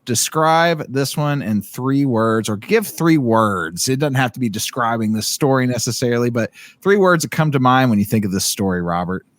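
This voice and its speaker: A man's voice: mid-range voice, lively intonation, moderate pace, few pauses, no room sound. A man hosting a casual book club podcast, laid-back and slangy as he leads the questions. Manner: laid-back, says "dude" and "bro". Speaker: podcast host.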